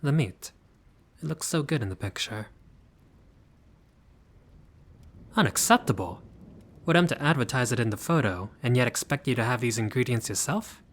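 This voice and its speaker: A man's voice: mid-range voice, expressive, fairly quick, close to an everyday voice. A man playing a haughty but friendly vampire lord in a roleplay audio, speaking in a formal, fussy, politely pompous way. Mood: indignant, fussy. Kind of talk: scripted roleplay audio addressed to the listener.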